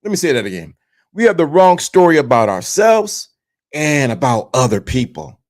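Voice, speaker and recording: Sing-song and on the high side, this man's voice moves at a normal speed as he hosts a live stream in his fifties. He preaches motivation directly to his viewers, going over his key points repeatedly.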